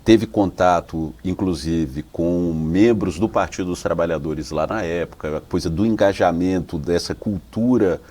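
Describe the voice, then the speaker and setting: Deep-voiced Bahian man, measured. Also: mellow. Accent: Bahian Portuguese. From Salvador, Bahia, Brazil. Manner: measured, explanatory, academic. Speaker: researcher, interview guest. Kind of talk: interview answers.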